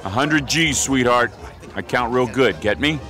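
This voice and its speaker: A man's voice: mid-range voice, unhurried, sharp tone, faint music behind. An actor in a radio drama playing a cocky, greedy small-time hood with an American accent and brash, slangy wise-guy talk.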